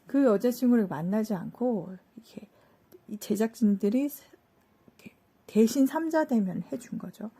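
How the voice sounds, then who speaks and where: A woman with a husky, mellow voice retells a story in a loose, chatty way. She fills her talk with small fillers and slips into the quoted lines as she goes. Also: a little high, animated, moderate pace. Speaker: channel host. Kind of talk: casual retelling of a TV case.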